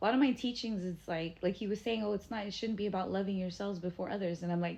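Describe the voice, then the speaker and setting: Somewhat breathy and very fast, a woman speaks at a medium pitch with fairly even intonation. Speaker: spiritual coach. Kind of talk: spiritual vlog message. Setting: in bed.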